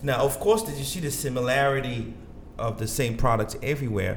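Amid noticeable background noise, a man talks at a moderate pace and a medium pitch. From DR Congo. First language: French or Lingala. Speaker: community organizer and entrepreneur. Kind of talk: interview and spoken word poetry.

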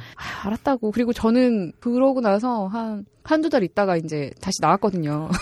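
Speaking at a moderate pace with hardly any pauses, a woman uses a fairly high pitch and lively intonation. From Gwangju, South Korea. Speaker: podcast co-host. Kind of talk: casual chat.

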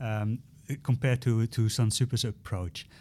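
With a Dutch accent, a man speaks in a fairly low, dark, mellow voice on a very clean recording with a silent background. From Netherlands. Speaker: podcast host, content director. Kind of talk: interview. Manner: halting.

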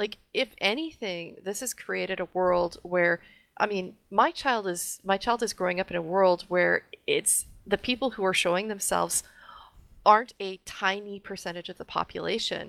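At medium pitch and a moderate pace, a woman speaks in an unremarkable speaking voice with ordinary pitch variation. The recording is very clean, with a silent background. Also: dry, close sound with no echo. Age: 40s. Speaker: streamer. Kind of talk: casual chat.

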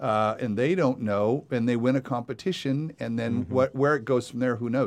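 This man has an ordinary speaking voice, medium in pitch, talking at a moderate pace over a quiet background. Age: 60s. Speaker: podcast host. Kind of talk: casual interview; podcast outro. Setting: studio.

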